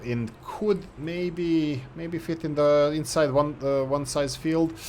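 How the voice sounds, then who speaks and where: Over noticeable background noise, a man talks with a non-native accent. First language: not English. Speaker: gaming youtuber. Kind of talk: gameplay commentary; channel outro. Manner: casual, halting with fillers.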